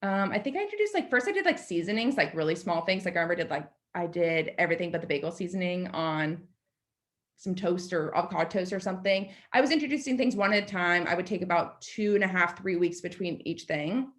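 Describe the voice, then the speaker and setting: A woman in her late twenties, a podcast guest, telling a story in a chatty, animated way and filling her speech with "like.". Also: fairly low pitch, quick pace. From United States. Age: 20s. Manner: chatty, animated, lots of "like" fillers. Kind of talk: casual storytelling.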